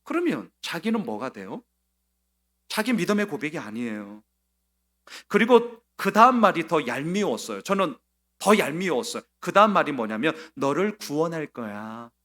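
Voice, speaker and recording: Animated Korean pastor preaching. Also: male voice, fairly high pitch, moderate pace. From South Korea. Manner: animated, acts out quoted lines with sudden loud and soft swings. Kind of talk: sermon. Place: church sanctuary.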